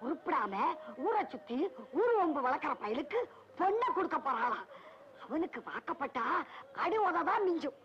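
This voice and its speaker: A woman's voice: sits high, big pitch swings, moderate pace, pauses often. A scornful old village grandmother. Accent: Tamil. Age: older. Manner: scornful, gossiping. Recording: dull old film soundtrack.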